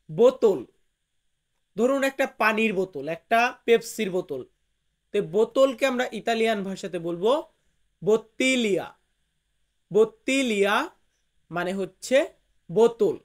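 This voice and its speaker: A man from Bangladesh, teaching a vocabulary lesson to viewers, slowly repeating each word and its meaning with emphasis. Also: high voice. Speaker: language teacher.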